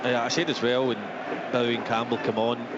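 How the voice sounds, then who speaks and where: A man's voice: medium pitch, little pitch movement, fairly quick, a loud crowd. A man giving unscripted football match analysis as a radio co-commentator. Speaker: football co-commentator, former player. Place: outdoor football stadium. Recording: dull radio sound, loud background noise. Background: loud stadium noise.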